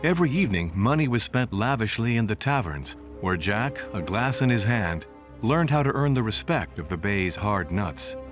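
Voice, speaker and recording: Male documentary narrator: scripted, measured storytelling, lively rise and fall, music underneath. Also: on the low side. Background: music bed.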